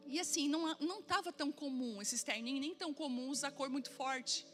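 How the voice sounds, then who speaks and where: A woman pastor preaching a sermon, telling a funny personal story and acting out the dialogue with lively humor. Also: sits high, brisk, faint music behind.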